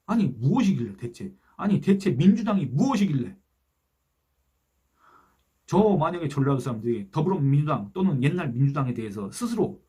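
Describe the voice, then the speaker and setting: A man's voice: fairly high pitch, dark tone, slightly rough. A man giving a solo political commentary, earnestly asking rhetorical questions and reading out online comments.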